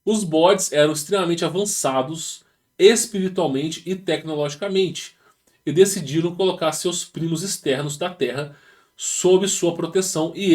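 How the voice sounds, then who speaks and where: A man with a Brazilian Portuguese accent hosting his channel, reading a text aloud and breaking off into rambling, slangy asides with many restarts. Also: fairly high pitch. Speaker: channel host. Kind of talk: casual talk reading and commenting on a text. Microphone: home setup with rural internet.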